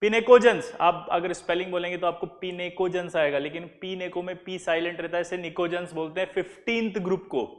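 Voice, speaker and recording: A man's voice: high voice, a little fast, few pauses, long reverb tail. A male chemistry teacher lecturing a class, who keeps quizzing his listeners with repeated questions.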